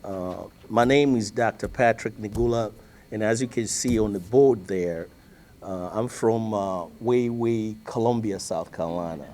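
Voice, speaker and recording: A middle-aged man from Tanzania answers questions on a seminar panel. He talks haltingly, with frequent fillers and restarts, in an ordinary mid-range voice. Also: on the low side, darkish tone. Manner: hesitant, many fillers and restarts. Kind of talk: panel discussion. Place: seminar hall.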